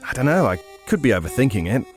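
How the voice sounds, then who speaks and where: A man's voice: mid-range voice, very animated, fast, lightly acted. Man acting a sardonic gamer, music behind. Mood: absorbed, sardonic. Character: laid-back, sardonic man playing a horror game. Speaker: actor playing a podcast co-host. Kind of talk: naturalistic audio drama, casual game commentary.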